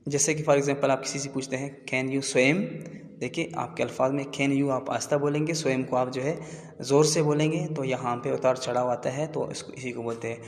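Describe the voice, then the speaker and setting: A man explaining English grammar terms in a slow, repetitive teaching manner. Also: mid-range voice, fairly even intonation, darkish tone. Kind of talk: classroom lesson explanation. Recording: echoey room with long reverb.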